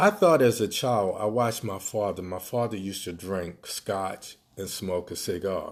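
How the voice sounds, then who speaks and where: In an American accent, an unremarkable speaking voice moves at a moderate pace with ordinary pitch variation over a quiet background. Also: man, fairly low pitch for a man, hardly any pauses. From US South. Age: 60s. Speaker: podcast host, military veteran. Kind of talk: monologue podcast.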